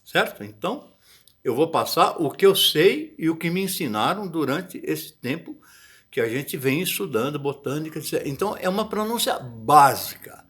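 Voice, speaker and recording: A man's voice: on the high side, very animated, moderate pace, fairly bright tone, slightly rough. A man giving a casual video lesson on botanical Latin, chatty and often searching for words. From Brazil. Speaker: botany teacher.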